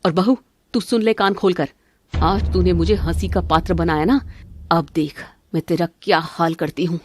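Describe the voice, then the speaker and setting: A woman voicing a greedy, scheming middle-aged mother-in-law in an animated family cartoon, bossy and grumbling. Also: lowish voice, normal speed, slight background noise, natural voice. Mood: vengeful.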